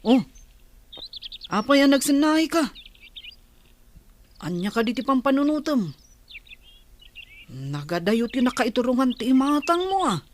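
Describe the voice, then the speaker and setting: Actress, indignant young tribal woman, radio drama, high voice, troubled, faint birdsong noise. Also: big pitch swings, unhurried, pauses often, a little mellow. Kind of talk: Ilocano radio drama acting. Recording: clear background noise with chirping birds.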